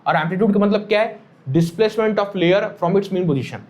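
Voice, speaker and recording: A man's voice: sits high, unhurried, a little mellow. A man teaching a physics lesson, repeating key phrases and often checking that students follow, mixing in English terms. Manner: mixes Hindi with English terms. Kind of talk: classroom lecture.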